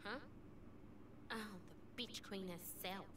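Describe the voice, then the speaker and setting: A woman's voice: medium pitch, takes it slowly, lightly acted. A woman playing a defiant, hot-headed young fighter in a video game cutscene, brash and snappy. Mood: indignant, defiant.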